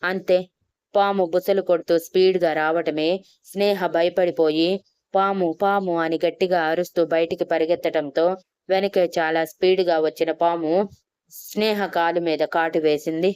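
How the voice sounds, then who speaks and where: Clear low-voiced woman storyteller. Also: fairly even intonation, normal speed, darkish tone, no echo. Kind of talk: scripted narration.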